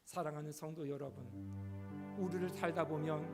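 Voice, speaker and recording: A middle-aged man preaching a Sunday sermon in a fairly high voice. He delivers it earnestly, swelling in emphasis at key points and posing rhetorical questions to the congregation. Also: fairly even intonation, moderate pace, music in the background. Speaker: pastor.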